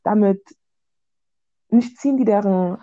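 A woman talking casually about her own views, often halting and searching for the right words. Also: mid-range voice, warm tone, no echo, muffled recording. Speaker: discussion participant. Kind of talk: casual personal discussion.

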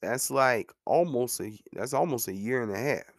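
A man in his late thirties, hosting a podcast and speaking in a relaxed, conversational way. He repeats himself with motivational drive to hammer a point home, at a middle pitch. The sound is dry and close, with no room echo. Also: moderate pace. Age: 30s. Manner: conversational, says "man" and "you know what I'm saying". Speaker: podcast host. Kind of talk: casual monologue.

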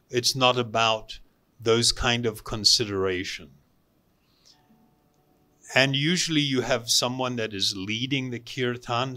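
A man giving an instructional spiritual talk to a group as a meditation teacher, speaking deliberately in short phrases with pauses. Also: medium pitch, pushed and bright.

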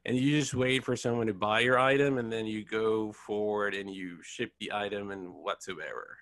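A man's voice: lowish voice, fairly even intonation, normal speed, a bit bright, dry recording. A man from Puerto Rico whose first language is Spanish, speaking English with a Puerto Rican accent in a polite, somewhat hesitant way while asking for business advice. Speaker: caller seeking business advice. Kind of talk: casual call conversation.

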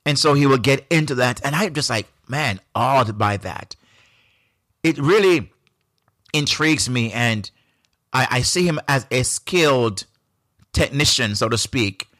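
Jamaican guy doing a solo podcast, thoughtful and slow, restarts a lot, mid voice, dry close mic. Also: medium pitch, a bit bright, dry recording. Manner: reflective, unhurried, frequent restarts. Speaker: podcast host.

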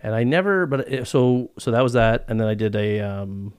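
A man's voice: medium pitch, expressive, moderate pace, darkish tone, clear, resonant tone, no echo, studio quality. A man in his forties hosting a casual podcast in a rambling, jokey, self-deprecating way. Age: 40s. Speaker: podcast host. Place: podcast studio.

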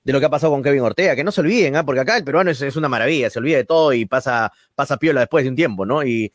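A man's voice: medium pitch, very fast, no room sound, clean studio sound. A man with a Peruvian Spanish accent, co-hosting a sports talk show in heated football commentary, emphatic and indignant. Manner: emphatic, indignant, repeats words.

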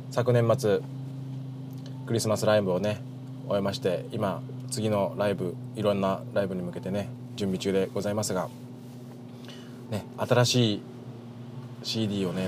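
A man from Shizuoka, Japan, hosting a casual solo podcast in very polite Japanese, softened with chatty fillers. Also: fairly low pitch, fairly even intonation, normal speed, long pauses. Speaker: podcast host, greengrocer. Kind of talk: casual solo radio-style chat. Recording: noisy, with car and outdoor street sounds.

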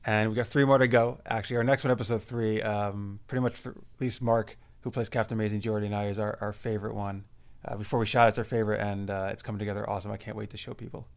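A male web series creator talks fast and loosely in an interview. His voice is low and gravelly, full of enthusiasm for the project. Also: steady tone. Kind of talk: casual interview.

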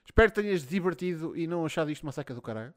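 Portuguese guy from portugal hosting a stream, kinda high voice, casual and sweary. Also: expressive, very fast. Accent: European Portuguese. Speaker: livestream host. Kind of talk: casual livestream chat, swearing.

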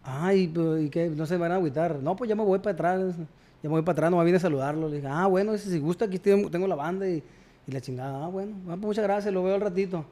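A man tells stories as a guest in a casual chat, his voice sitting a little high. He talks in slang and acts out both sides of every exchange. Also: quick pace, dark tone. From Culiacán, Sinaloa, Mexico. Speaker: guest musician.

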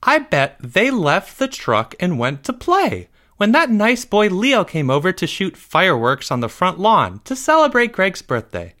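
A man voicing a cheerful, oblivious suburban mother in a loud, clear falsetto for a story. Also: wildly swooping pitch, unhurried, hardly any pauses, heavily acted. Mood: puzzled, breezy. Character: cheerful, oblivious middle-aged suburban mom.

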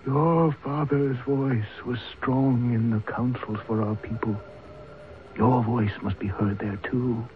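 An actor as slow, solemn old tribal elder. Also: male voice, medium pitch, steady tone, lightly acted. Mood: solemn foreboding. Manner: slow, measured, formal speech. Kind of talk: old-time radio drama acting. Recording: tinny, hissy old radio broadcast.

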